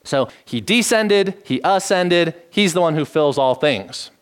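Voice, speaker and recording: A middle-aged man preaching, teaching in a measured tone and lifting his voice to stress key phrases. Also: fairly high pitch, animated, clear, resonant tone. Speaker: pastor. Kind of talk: expository sermon.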